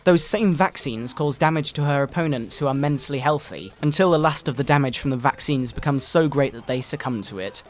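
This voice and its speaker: A man's voice: mid-range voice, a little fast, few pauses, natural voice. A man putting on a pompous, indignant fundamentalist Christian doctor, preaching theatrically against video games in a dramatic satirical reading. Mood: righteous scorn. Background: retro video game music.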